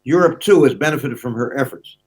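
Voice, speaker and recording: An older American man giving formal award remarks by video call, measured and unhurried with frequent pauses. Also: mid-range voice, expressive, breathy edge. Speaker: award presenter.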